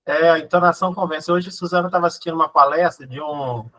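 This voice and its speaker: A man in casual conversation, talking in a quick, animated way and explaining his points with examples. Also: a little high, low-quality recording.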